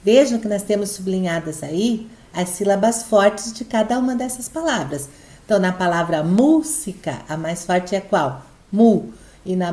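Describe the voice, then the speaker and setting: A woman teacher with a Brazilian Portuguese accent walks students through a recorded lesson, step by step. Her voice is mellow and relaxed, at a middle pitch. She keeps checking that everyone is following along. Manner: patient, explaining step by step with frequent "tá?" checks. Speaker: Spanish teacher.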